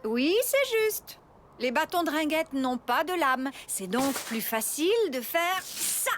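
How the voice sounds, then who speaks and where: A woman's voice: high voice, big pitch swings, slow pace, a bit bright, soft background music, heavily acted. A woman playing a cheerful, encouraging mother in a children's cartoon, playful and patient.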